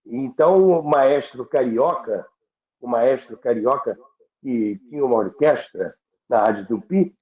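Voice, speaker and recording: An older man reminisces in a slow, deliberate, halting way. He speaks conversationally, like a presenter recounting history. The sound is thin and phone-like, with a roomy echo. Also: mid-range voice. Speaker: radio history presenter, former radio worker. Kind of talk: conversational storytelling about radio history.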